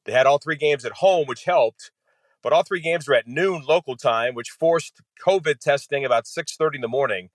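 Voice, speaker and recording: A man's voice: fairly high pitch, normal speed, no room sound. A man who is a radio play-by-play announcer, answering interview questions in a detailed, explanatory way.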